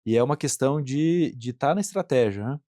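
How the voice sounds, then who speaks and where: A man's voice: mid-range voice, expressive, brisk, dark tone, no room sound, studio quality. A middle-aged Brazilian man, an industrial plant manager, answering interview questions earnestly and thinking aloud, often checking in with tag questions and repeating words. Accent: Brazilian Portuguese.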